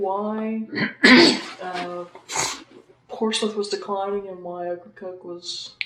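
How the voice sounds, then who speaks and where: This woman's voice sits at a medium pitch. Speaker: folklorist interviewer. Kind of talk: oral history interview questions.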